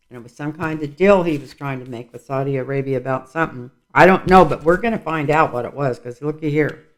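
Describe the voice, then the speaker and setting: A man's voice: a little high, creaky. A man reading tarot cards in a casual vlog, rambling and musing aloud as he goes. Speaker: tarot reader.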